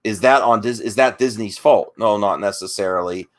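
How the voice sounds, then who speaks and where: A man arguing defensively in an unscripted online debate, speaking in a halting, argumentative way. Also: lowish voice. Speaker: debate guest.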